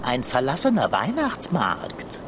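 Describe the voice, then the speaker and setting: A woman's voice: a bass voice, wildly swooping pitch, a little slow, background noise, full character voice. A woman voicing a fussy, bookish black tomcat who complains dramatically and gets airsick. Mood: whiny. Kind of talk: children's audio play narration in character.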